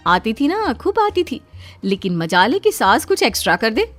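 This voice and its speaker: A woman voicing a frank young daughter-in-law in a cartoon who protests in an animated way. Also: a little high, normal speed, soft background music. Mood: protesting.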